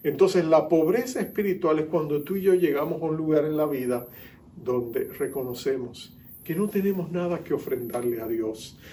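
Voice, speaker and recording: A man's voice: fairly high pitch, normal speed, dark tone, slight background noise. A male pastor preaching an earnest sermon in church, acting out the figures he quotes.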